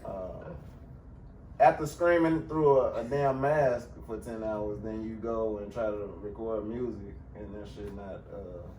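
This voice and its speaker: Hoarse man rambling in slangy casual chat. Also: on the low side, measured pace, dark tone. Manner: laid-back, rambling, heavy slang and profanity. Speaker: podcast co-host and stand-up comic. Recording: echoey room, mic far off, faint noise.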